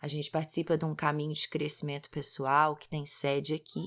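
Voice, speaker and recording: Heard in a very clean recording with a silent background, a woman with a Minas Gerais accent speaks at a moderate pace in a very deep, low voice. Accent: Minas Gerais Brazilian Portuguese. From Minas Gerais, Brazil. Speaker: podcast host, psychologist. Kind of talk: podcast self-introduction.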